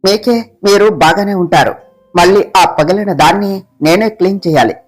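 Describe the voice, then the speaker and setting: A woman's voice: medium pitch, fairly quick, faint music behind, lightly acted. A woman voicing a bold, cheeky young office assistant who teases her boss and talks back.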